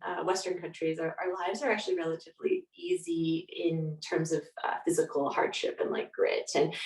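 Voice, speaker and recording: Low-voiced woman in a roomy echo. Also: creaky, darkish tone. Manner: thoughtful, halting, hedging. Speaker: podcast guest, author. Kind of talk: reflective interview conversation. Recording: roomy echo, distant from mic.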